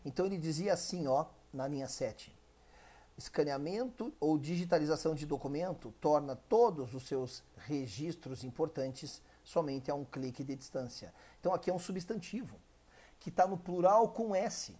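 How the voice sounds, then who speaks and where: A man's voice: on the high side, moderate pace, dark tone. A Brazilian man teaching an online exam-prep English class, explaining step by step and asking the viewer frequent rhetorical questions, with a dry throat. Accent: Brazilian Portuguese.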